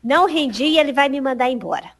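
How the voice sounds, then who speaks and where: High-voiced Brazilian woman telling her story. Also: fast talker. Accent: Piauí Brazilian Portuguese. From Piauí, Brazil. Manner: animated, acts out quoted dialogue, laughs often. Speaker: podcast guest. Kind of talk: casual storytelling interview.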